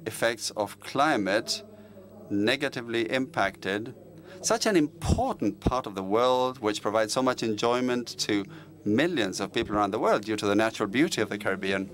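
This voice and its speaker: A man interpreting a speech live, speaking in a measured, halting way with pauses and the odd filler as he keeps up with the speaker. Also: medium pitch, a bit bright.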